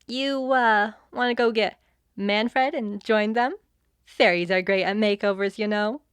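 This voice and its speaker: A woman's voice: mid-range voice, fairly even intonation, unhurried, clean tone, no echo, studio quality, close to an everyday voice. A woman playing a plucky, wry young adventurer in a fantasy audio drama. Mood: wry, casual.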